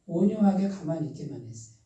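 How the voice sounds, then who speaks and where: A man's voice: a little high, very animated, fast talker, mellow. A man pastor preaching a sermon, often asking his congregation questions and waiting for their replies. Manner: asks the congregation questions and waits for answers. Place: church sanctuary. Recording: very echoey room, voice far from the mic.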